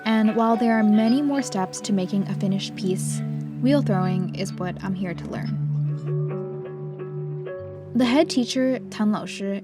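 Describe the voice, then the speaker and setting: A woman calmly narrating a travel vlog about her days as a pottery student in a reflective voice-over. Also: mid-range voice. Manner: calm, reflective storytelling. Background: background music.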